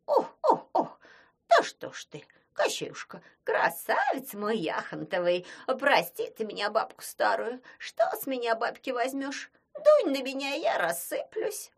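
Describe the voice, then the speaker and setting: A woman voicing a boastful, fawning old witch with a husky, wailing voice. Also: medium pitch, huge pitch swings, slow pace, a bit bright, exaggerated voice. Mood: cackling. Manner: wailing, sing-song exclamations.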